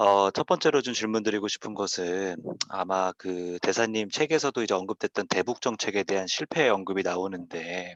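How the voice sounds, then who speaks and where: A soft-spoken man talks at a moderate pace in a fairly low voice with ordinary pitch variation and hardly any pauses. The background is quiet, and the sound is dry and close with no echo. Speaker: local politician. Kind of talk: audience question at online talk.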